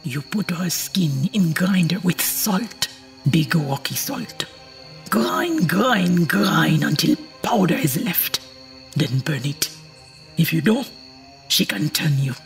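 An actress playing a blunt, superstitious old island woman with a gravelly, whispery voice in an audio horror drama. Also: sits low, expressive, slow, faint music behind, heavily acted. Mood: grim resolve. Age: older.

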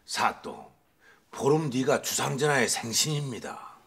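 A man's voice: mid-range voice, sing-song, unhurried, gravelly, over loud music. A man playing a fawning aide to a magistrate in a historical sitcom. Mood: deferential.

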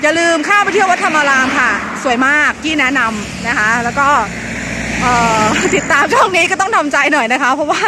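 Woman, vlogger, high voice, chatty, talks over traffic, outdoors by a busy road, loud car noise. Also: animated, a little fast. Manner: chatty nonstop talker, addresses viewers directly. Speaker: vlogger and local history guide. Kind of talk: casual walking vlog narration. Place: outdoors beside a busy road by an old canal. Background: passing cars.

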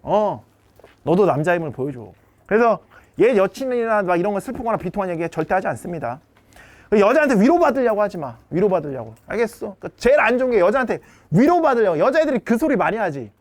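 A man's voice: high-pitched, big pitch swings, fast talker. A man lecturing as a dating coach in a blunt, brash way, swearing freely and talking down to his students.

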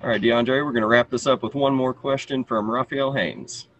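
A man in his thirties briskly moderating a press conference over a video call. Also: mid-range voice, fairly even intonation, fairly bright tone, muffled recording. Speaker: media relations moderator. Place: indoor room, on video call. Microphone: video call, speaking through face mask.

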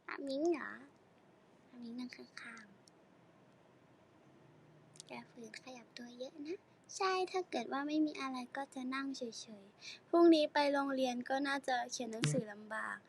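Teen girl, idol streamer; high and animated, giggly chatter, sore and careful. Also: normal speed, slight background noise. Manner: chatty, giggly, reading viewer comments aloud. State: stiff and sore, sitting very upright. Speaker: idol live-streaming to fans. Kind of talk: casual live-stream chat.

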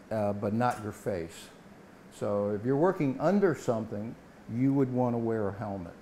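Male instructor, 60s, mellow and plain-spoken, explaining to camera with some background noise. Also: mid-range voice. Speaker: welding instructor. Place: indoor workshop set, standing before a tool board.

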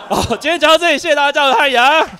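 A young male stand-up comedian with a fairly high voice works a club crowd. He tells a long story and jumps into other people's voices as he goes. His delivery stays lively and animated throughout. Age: young adult. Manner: animated storyteller, acts out characters in shifting voices.

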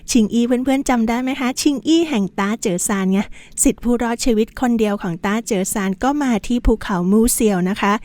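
A woman's voice: on the high side, a little fast, darkish tone. A woman casually retelling a novel as a show host, chatty, with friendly asides to her listeners. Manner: chatty, sprinkles polite particles and asides. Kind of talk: casual storytelling recap.

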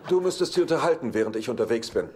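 A man's voice: mid-range voice, very animated, very fast, natural voice. An actor playing a cocky, womanizing bachelor with a glib, sardonic delivery in a German-dubbed sitcom, on a noisy soundtrack. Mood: smug, sardonic.

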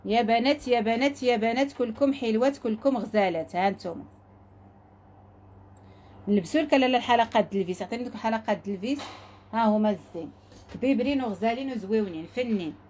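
Woman, Moroccan accent, jewelry seller, live sales pitch, quick delivery, repeats her exclamations. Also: a little mellow, slight background noise. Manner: repetitive, enthusiastic exclamations.

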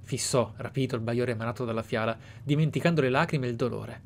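With clear game noise behind him, a man from Italy narrates and comments on a roleplaying game. His voice sits at an average pitch. He sounds measured and musing as he goes. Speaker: gameplay streamer. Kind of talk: reading game texts aloud and roleplay commentary.

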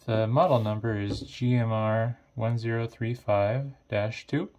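A man giving casual, off-the-cuff narration of an electronics teardown, thinking aloud in a hesitant, low-key way. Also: steady tone, measured pace, a little mellow. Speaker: host of an electronics teardown video.

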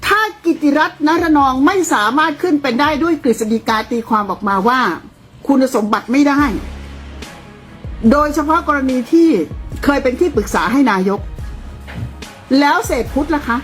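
A woman's voice: high voice, animated, moderate pace, faint music behind. A woman giving heated political commentary in a blunt, coarse, combative way.

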